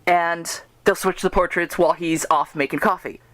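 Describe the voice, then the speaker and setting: A woman's voice: on the low side, fairly even intonation, normal speed, no room sound. A woman hosting a casual fan interview, telling stories in an enthusiastic, rambling way. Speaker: podcast host and radio drama writer.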